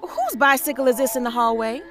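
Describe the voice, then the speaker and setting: No-nonsense scolding mother, high pitch, lively swings, period audio drama. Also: a little fast. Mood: stern, suspicious. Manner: scolding, interrogating. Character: stern, suspicious, no-nonsense working-class mother.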